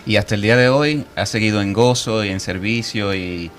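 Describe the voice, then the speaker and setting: Casting: Dominican man, lowish voice, conversational radio host. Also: fairly quick, faint music behind. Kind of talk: conversational programme hosting.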